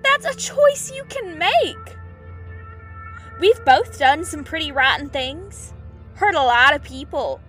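A woman's voice: high-pitched, very animated, slow, a bit bright, faint music behind, heavily acted. A woman playing a defiant, wounded young siren in an audio drama, blunt and emotional. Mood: angry, hurt.

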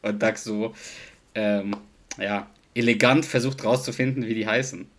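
A man's voice: lowish voice, fairly even intonation, unhurried. A man co-hosting a casual podcast, chatting playfully with his friend, laughing and quoting lines. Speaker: podcast co-host. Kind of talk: casual chat between friends.

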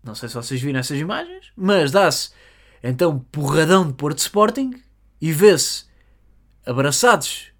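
A podcast host with a European Portuguese accent who delivers a jokey comic monologue. The pitch is lively and moves up and down a lot, with a casual, chatty flow. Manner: animated, jokey storytelling. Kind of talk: comedic monologue.

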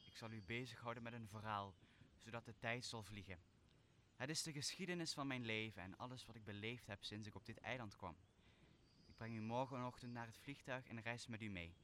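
Man acting exiled magician, low voice, solemn, measured, commanding, Shakespearean radio drama, noisy amateur recording. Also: sharp tone. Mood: gracious. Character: commanding exiled magician, stern yet forgiving master.

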